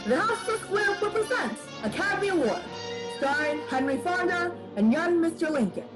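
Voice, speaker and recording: A woman's voice: very high voice, lively intonation, normal speed, poor audio. 1940s-style radio announcer, played by a woman, polished and showy, with music behind. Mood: showy, formal. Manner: formal, showy presentation. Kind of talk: old-time radio announcing, scripted.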